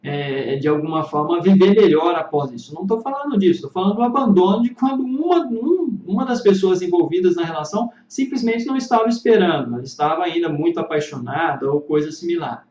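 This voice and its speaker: A man's voice: sits high, fairly quick, hardly any pauses, darkish tone. A man speaking as a psychotherapist in a reflective explanatory monologue, thoughtful and searching for words with frequent restarts. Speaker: psychotherapist vlogger. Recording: roomy, dull lo-fi sound.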